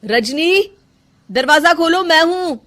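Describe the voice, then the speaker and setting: A woman voicing a concerned young husband in a cartoon story, who pleads gently with his wife. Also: very high-pitched, expressive, slow, full character voice. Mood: pleading.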